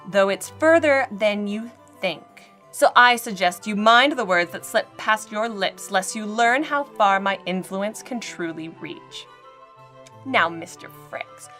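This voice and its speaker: A woman's voice: medium pitch, a bit bright. Woman playing a prim, menacing leader over music. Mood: condescending. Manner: prim, condescending, politely threatening. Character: imperious, veiled-menacing female leader of a settlement. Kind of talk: comedic audio drama monologue.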